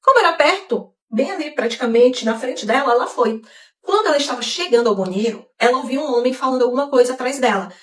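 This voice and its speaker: A woman gives scripted narration in a measured, explanatory tone, with a voice that sits somewhat high. She sounds set back from the mic, and the room echoes noticeably around her. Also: lively intonation, a bit bright, recorded from a distance. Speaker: video narrator.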